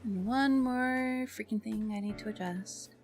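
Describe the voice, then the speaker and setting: A woman's voice: a little high, a little slow, faint music behind. A woman hosting a livestream in casual, chatty talk with self-deprecating grumbling, speaking into a streaming mic. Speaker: livestream host.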